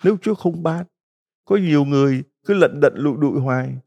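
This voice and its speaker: A man's voice: fairly high pitch, brisk, vocal fry, mellow, highs cut off. A middle-aged man, a Catholic priest, giving a folksy retreat homily full of stories and rhetorical questions to the congregation.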